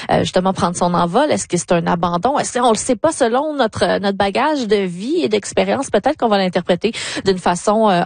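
A woman reporter with an Italian accent walks listeners through an arts story for the radio. Her voice is dry and close to the mic, and she speaks in an even, middle register. Her manner is reflective and explanatory. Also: medium pitch, no room sound.

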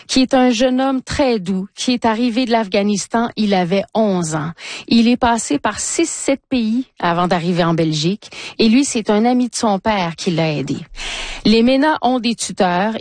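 A woman radio host presenting her show in a lively, conversational way. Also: on the high side, no echo.

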